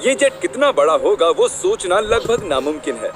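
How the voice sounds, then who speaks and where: A man dubbing a vlog host, narrating in an excited showman way. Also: sits high, normal speed, music in the background. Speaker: host dubbed into Hindi. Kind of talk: energetic vlog narration dub.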